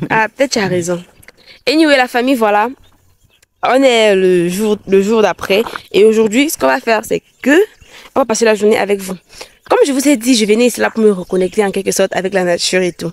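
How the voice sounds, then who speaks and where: Long, frequent pauses interrupt delivery that is otherwise fairly quick. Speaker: couple vlogger. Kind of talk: casual vlog talk to camera.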